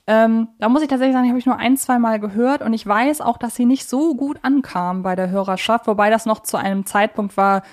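A woman's voice: a little high, a little fast, hardly any pauses, darkish tone. A woman co-hosting a casual, analytical podcast, who often searches for her words and corrects herself as she talks. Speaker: podcast co-host.

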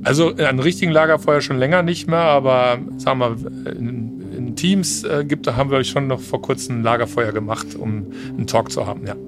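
Male guest, trade fair podcast, explanatory and businesslike, mid-pitched voice. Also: moderate pace, few pauses, music in the background. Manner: explanatory, businesslike, many restarts. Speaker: logistics company representative, guest.

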